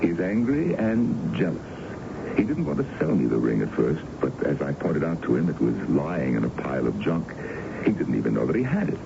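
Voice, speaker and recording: Deep gravelly suave businessman. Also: sing-song, normal speed, full character voice. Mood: assured, dismissive. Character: smooth, confident businessman charming a young woman. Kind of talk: radio drama acting. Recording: dull, noisy vintage radio broadcast.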